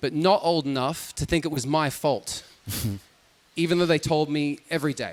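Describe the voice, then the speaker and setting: Against noticeable background noise, a man talks at a fairly quick pace and fairly high pitch, with ordinary pitch variation. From Australia. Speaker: comedian. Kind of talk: stand-up.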